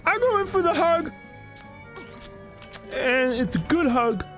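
A man's voice: very high voice, sing-song, slow pace, fairly bright tone, soft background music, full character voice. A man voicing a goofy male nightmare monster from a video game, drawling in a silly, mock-friendly way.

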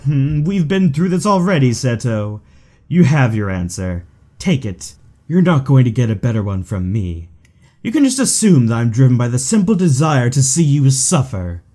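A man's voice: mid-range voice, big pitch swings, normal speed, dark tone. A man playing a suave, theatrical villain in an audio drama, taunting his rival with mock affection. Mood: smug, menacing. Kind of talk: fan audio drama acting.

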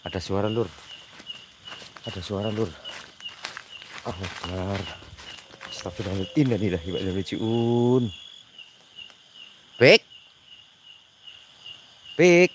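Guy creeping around at night, kinda low voice, crickets buzzing loud behind him. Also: steady tone, a little fast, pauses often, noisy background. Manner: nervous, muttering prayers, calling out to companions. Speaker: ghost-hunting vlogger. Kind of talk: casual night exploration vlog. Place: outdoors at night in rough terrain.

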